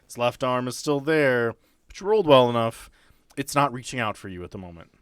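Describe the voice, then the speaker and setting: A man's voice: medium pitch, animated, a little fast, clear, resonant tone, no echo, clean studio sound. A man casually narrating a tabletop role-playing game as game master.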